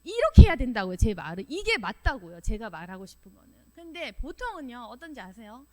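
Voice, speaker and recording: Emphatic woman preacher, high lively voice. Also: fast. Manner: emphatic, acts out quoted voices, rhetorical questions. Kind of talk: sermon at a Friday prayer meeting.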